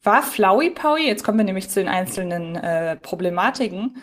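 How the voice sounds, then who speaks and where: A woman's voice: medium pitch, lively intonation, a little fast. Woman chatting as a podcast co-host. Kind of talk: casual podcast discussion of an audio drama episode.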